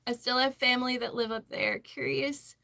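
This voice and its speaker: A woman's voice: high voice, fairly even intonation, normal speed, vocal fry, sharp tone. An American woman hosting a casual livestream, chatting and answering viewer comments as she goes. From western Massachusetts, United States. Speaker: livestream host, crocheter.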